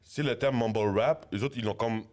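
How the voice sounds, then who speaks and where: A man's voice: medium pitch, moderate pace, darkish tone. A man with a Québécois French accent co-hosting a casual chat, dropping English slang into his French. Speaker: podcast co-host.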